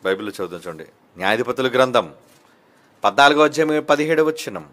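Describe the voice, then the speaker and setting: A man preaching a sermon, asking the listeners question after question, with sudden loud bursts and sharp drops to quiet. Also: mid-range voice, animated, quick pace. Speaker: pastor.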